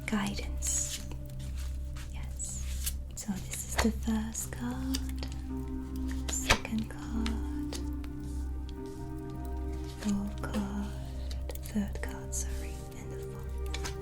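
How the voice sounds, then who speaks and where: A woman playing a gentle, reassuring white witch tarot reader in a breathy, soft-spoken ASMR whisper. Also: a little high, steady tone. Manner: slow, pausing, soothing, reflective. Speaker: ASMR roleplayer giving a tarot reading. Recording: soft music behind close voice. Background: soft relaxing music.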